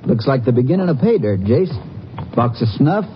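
An actor playing a brisk, plain-spoken male county sheriff in a 1950s radio western. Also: mid-range voice, very animated, close to an everyday voice. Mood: gruff, satisfied. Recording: muffled, noisy vintage radio recording.

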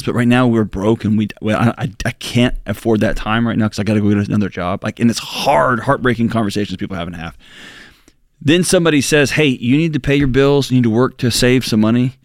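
A man's voice: no room sound, clean studio sound. A man in his forties co-hosting a talk show, speaking in an earnest, reflective way with emphatic outbursts. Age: 40s. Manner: earnest, reflective, emphatic with sudden jumps in pitch. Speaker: co-host. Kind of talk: casual podcast discussion.

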